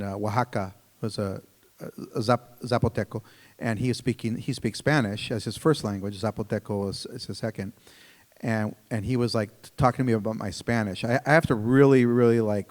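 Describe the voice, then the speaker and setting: Halting man in a reverberant hall. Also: medium pitch, a little mellow. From United States. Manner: halting, many restarts, laughs between thoughts. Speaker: panelist. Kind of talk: casual panel talk.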